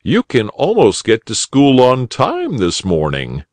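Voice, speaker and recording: A man voicing a jolly, kindly old rabbit gentleman in a storybook reading. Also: medium pitch, wildly swooping pitch, slow, no room sound, voice pushed up.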